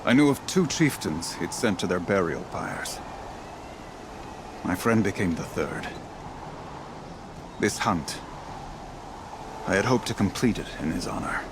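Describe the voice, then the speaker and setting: Old tribal hunter for a game, lowish voice, tired but proud, solemn storyteller, lots of background noise. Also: male voice, lively intonation. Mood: grave, proud. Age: older. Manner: solemn, measured, poetic storyteller. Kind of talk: dramatic video game dialogue.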